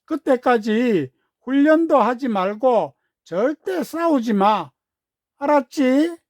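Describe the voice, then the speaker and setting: A man's voice: very high-pitched, animated, slow, no room sound, studio quality, voice pushed up, full character voice. A man reading a storybook, voicing an eager young boy who pleads insistently for his calf. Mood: tender.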